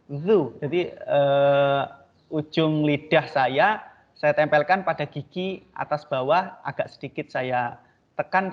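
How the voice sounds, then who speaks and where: Male teacher, slightly high voice, patient drilling of sounds; muffled lo-fi recording. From Indonesia. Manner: patient, repeats and drills Arabic sounds slowly. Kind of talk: online tajwid lesson. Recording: dull lo-fi recording.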